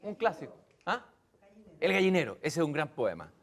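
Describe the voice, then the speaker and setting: A man hosting a live television interview, talking quickly and encouragingly with frequent small affirmations. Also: fairly high pitch, sing-song, fairly bright tone. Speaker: TV interviewer, host. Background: studio audience.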